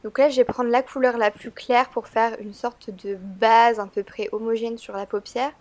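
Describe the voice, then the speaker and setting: Stuffy-voiced woman with a fairly high pitch. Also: fairly even intonation, moderate pace. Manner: chatty and hesitant, frequent "euh" fillers. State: stuffy-nosed from a cold. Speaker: beauty vlogger. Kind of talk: makeup tutorial vlog.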